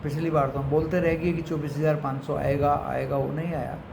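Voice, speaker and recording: A man's voice: fairly high pitch, flat delivery, brisk. A man with an Indian accent giving unscripted market commentary to his viewers, mixing in English phrases and addressing them like friends. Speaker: stock market commentator and channel host. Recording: echoey room with clear background noise.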